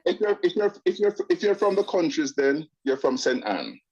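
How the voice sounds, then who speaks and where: A man's voice: fairly high pitch, big pitch swings, moderate pace, a little mellow, slightly rough, muffled recording. A Jamaican man with a partly British accent, calling in to a radio show and chatting casually with opinions and stammering restarts. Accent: Jamaican with British mix. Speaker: caller. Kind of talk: casual call-in chat. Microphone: phone line.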